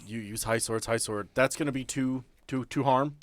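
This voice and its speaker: A man's voice: medium pitch, normal speed. A man acting as game master, narrating the action and rules of a tabletop roleplaying game in a podcast.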